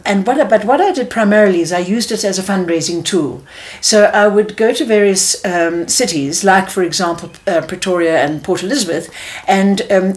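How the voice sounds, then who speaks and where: A middle-aged woman with a South African accent, answering an interview question in an earnest, passionate way with frequent restarts. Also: on the low side. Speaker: theatre producer.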